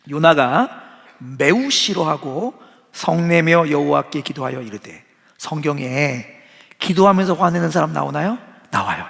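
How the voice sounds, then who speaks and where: Man, pastor, sermon, conversational, asks the crowd questions, slightly high pitch, long church reverb. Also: creaky, a bit bright.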